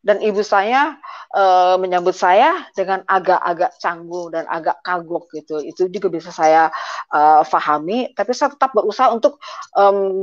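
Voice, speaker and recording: A middle-aged woman giving a personal testimony, speaking hesitantly with many filler sounds as she retells painful family events. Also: fairly low pitch. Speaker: guest giving a conversion testimony. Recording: dull lo-fi audio.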